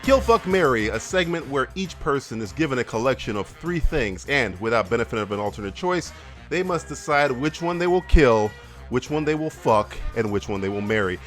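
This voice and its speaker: A man hosting a podcast in casual, profane banter, excitable and laughing often. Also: mid-range voice, a little fast, soft background music. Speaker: podcast host.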